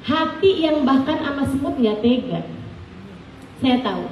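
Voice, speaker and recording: A middle-aged woman preacher tells a personal story in a sermon, animated and often laughing. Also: sits high, measured pace, lo-fi sound, slight background noise. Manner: animated, laughs often while telling anecdotes. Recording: echoey room, distant mic, faint ambience.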